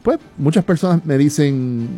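Soft-toned man co-hosting, hesitant speech. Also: on the high side, animated, moderate pace, soft background music. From United States. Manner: hesitant, many restarts and fillers. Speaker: radio co-host. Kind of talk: casual talk radio.

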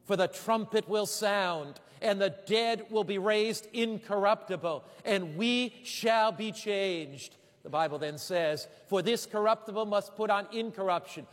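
High-voiced preacher in a reverberant hall. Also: male voice. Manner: dramatic, slowing for emphasis and repeating phrases. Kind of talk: sermon.

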